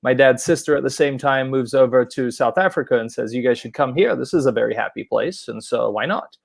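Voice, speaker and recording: A Polish-born man of about forty with a gravelly, creaky edge to his voice. He tells stories in a relaxed, easy way as a podcast guest. The sound is dry and close. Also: mid-range voice, fairly quick, dry recording. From Poland. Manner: relaxed storytelling. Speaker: university soccer head coach. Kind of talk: podcast interview.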